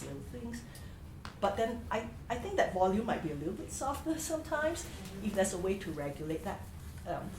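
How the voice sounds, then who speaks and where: Workshop participant, woman from Singapore, earnest, roomy noisy sound. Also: mid-range voice. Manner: earnest, hesitant, many fillers. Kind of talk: roundtable discussion. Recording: echoey room with background noise.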